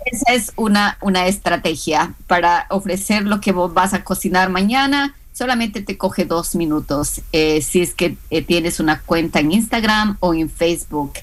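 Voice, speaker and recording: A woman's voice: fairly low pitch, moderate pace, few pauses. A woman with a Hispanic accent, a small business instructor, explaining as an interview guest with many fillers and restarts. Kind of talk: radio and live stream interview guest.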